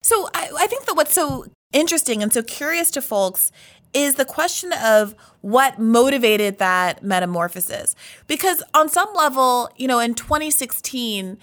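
A woman's voice: high voice, lively intonation, normal speed, fairly bright tone. A woman hosting an interview, earnest and effusive, asking long winding questions. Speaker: host.

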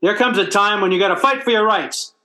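An actor playing an excitable, blustery but easily cowed working man in old-time radio comedy style. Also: high voice, fairly quick. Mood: indignant. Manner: excitable, blustery, stammering under pressure. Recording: roomy, echoing recording.

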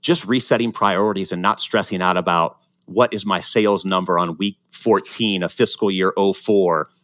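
A man's voice: sits low, steady tone, moderate pace, fairly bright tone, no room sound. A man, a former pro triathlete telling his story in a casual interview, earnest and reflective, often restarting his sentences. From Ohio, USA, born in Ecuador.

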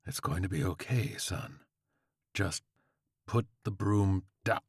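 Feeble old man, voiced by a male reader, story character: gentle volume, halting, pleading, slightly gravelly. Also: deep voice, dry recording, studio quality, exaggerated voice. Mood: placating. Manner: soft-spoken, hesitant.

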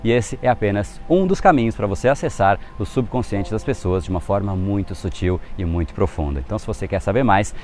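A man's voice: lowish voice, a little mellow. A man, hosting a podcast and explaining persuasion in a plain, emphatic, conversational way. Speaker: host and persuasion instructor. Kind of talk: didactic podcast monologue.

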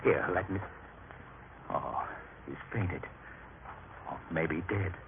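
An actor in a radio drama playing a kindly, gentle rescuer with a hushed, soothing manner. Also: male voice, deep voice, slow, exaggerated voice. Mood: gentle concern. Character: kindly, gentle Samaritan rescuer tending a wounded man. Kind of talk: old-time radio drama acting. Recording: tinny radio recording, clear hiss.

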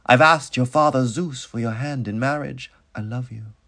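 Guy storyteller doing a smitten underworld god from a myth, hushed and pushy, saying it over and over. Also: medium pitch, normal speed. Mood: insistent, adoring. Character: lovestruck male god of the underworld, insistent, hushed.

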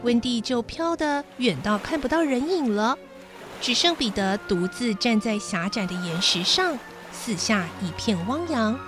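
A woman's voice: fairly high pitch, lively intonation, measured pace. A woman hosting a children's show, narrating a bedtime story expressively. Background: background music.

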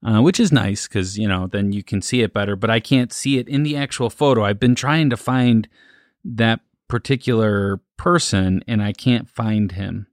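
A man's voice: on the low side, moderate pace, no room sound, clean studio sound. A man co-hosting a casual podcast, thinking aloud with lots of fillers and restarts. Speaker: podcast co-host. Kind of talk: casual chat.

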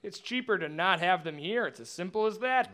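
An actor playing a cheerful, quirky space station chief who tends bar, with a folksy manner, in a sci-fi comedy. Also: male voice, high voice, lively intonation, a little fast, sharp tone. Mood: chatty. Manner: folksy, ends phrases with "eh". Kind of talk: animated sci-fi comedy dialogue.

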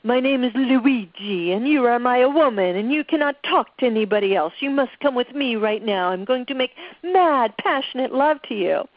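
A woman's voice: fairly high pitch, expressive, moderate pace, hardly any pauses, no echo, lo-fi sound, pitched above the performer's own voice. A woman putting on a possessive lover man with an exaggerated fake Italian accent. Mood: mock passionate. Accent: mock Italian. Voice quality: theatrical, possessive.

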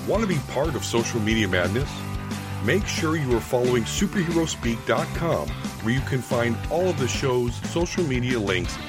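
A man's voice: medium pitch, big pitch swings, normal speed. A man reading an upbeat scripted promo for a podcast network. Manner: upbeat announcer delivery. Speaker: promo announcer. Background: guitar music.

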